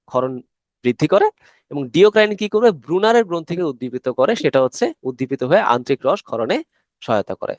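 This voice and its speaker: Young male biology tutor, fast and conversational, slightly high voice, dry close-mic sound, quizzes and answers himself. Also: no room sound. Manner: chatty, asks questions and answers them himself; mixes English terms into Bangla speech. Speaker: biology teacher. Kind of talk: recorded online lecture.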